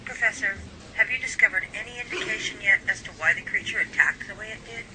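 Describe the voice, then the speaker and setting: A man acts as a persistent female reporter in an audio drama. The voice is high and strikingly sharp, with a pointed, wry delivery and faint noise behind it. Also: fast, low-quality recording. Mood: pressing. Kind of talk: radio drama acting.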